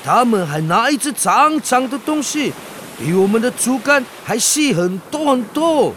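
An actor voicing an excitable, naive young tribal hunter in a radio drama, with a Taiwanese accent and a simple, wide-eyed way of talking. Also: medium pitch, unhurried, a little hiss or hum. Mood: awed.

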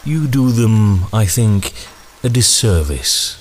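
An actor playing a menacing, eloquent ringmaster in an audio drama, speaking in deliberate, theatrical, archaic phrases. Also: male voice, on the low side, big pitch swings, slight background noise. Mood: courtly, sly.

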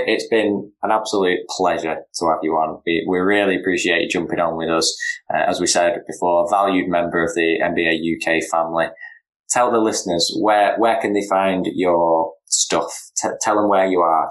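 A man from the UK hosting a casual podcast, asking questions in a relaxed, friendly way. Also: low-pitched, normal speed, low-quality recording. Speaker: podcast host.

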